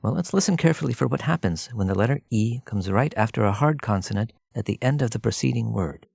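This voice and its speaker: A man narrating a scripted language lesson as a teacher, explaining in a measured way and addressing the listener directly. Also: mid-range voice, animated, creaky, a little mellow, dry recording, studio quality.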